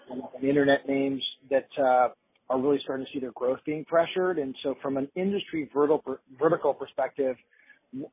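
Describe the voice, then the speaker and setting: Man, financial analyst, rough-edged mid voice, halting questions, thin telephone audio. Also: medium pitch. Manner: halting, repeats words. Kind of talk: conference call questioning. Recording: muffled narrowband phone line.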